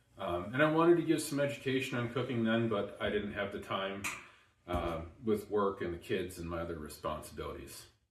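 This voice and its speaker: Somewhat breathy, a man speaks with very wide pitch swings amid audible room echo. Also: fairly low pitch for a man, fairly quick pace. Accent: Wisconsin. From Wisconsin. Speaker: home cook. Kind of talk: self-introduction. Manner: halting.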